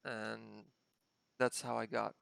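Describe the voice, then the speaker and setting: A young man speaking English as a second language, chatting casually on a developer livestream through a headset, halting and searching for words. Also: on the low side, little pitch movement, creaky, fairly bright tone, no echo, rough recording. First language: a Slavic language close to Czech. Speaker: game developer.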